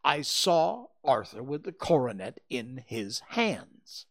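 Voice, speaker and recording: A man's voice: medium pitch, big pitch swings, takes it slowly, vocal fry, pitched above the performer's own voice, exaggerated voice. A man reading aloud, voicing a stern, worried older banker who speaks insistently and impatiently.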